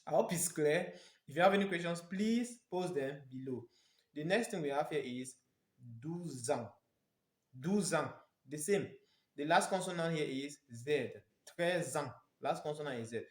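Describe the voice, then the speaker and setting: A man with a Nigerian accent teaching a language lesson in a didactic, emphatic way, repeating phrases slowly for pronunciation. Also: on the high side, animated. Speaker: French teacher. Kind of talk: instructional language lesson, step by step. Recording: echoey, reverberant room.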